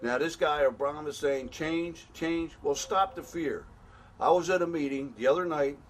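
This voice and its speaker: A man's voice: fairly high pitch, normal speed, a little hiss or hum. A middle-aged American man making an impassioned spoken appeal, blunt and angry, pleading and repeating himself with many restarts. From United States. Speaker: patient advocate.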